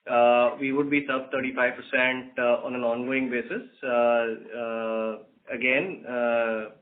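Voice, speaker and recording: A man speaking as a company executive on a conference call, formal and explanatory. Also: medium pitch. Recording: narrow phone-line audio.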